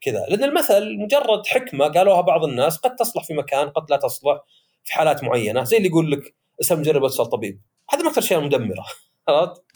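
A man chatting as podcast host, animated and acting out the voices he quotes. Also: fairly high pitch, racing, slightly rough. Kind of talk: casual podcast discussion.

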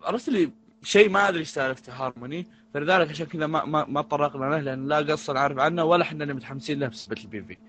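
A man's voice: a little high, rapid-fire, fairly bright tone. A man co-hosting a casual podcast, rambling and restarting his sentences often. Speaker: podcast co-host.

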